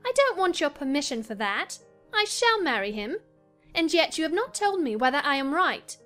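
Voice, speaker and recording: A woman playing a willful, troubled young gentlewoman in a dramatized audiobook, earnest and dramatic. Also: sits high, very animated, moderate pace, voice pushed up. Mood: stubborn. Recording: music under the voice.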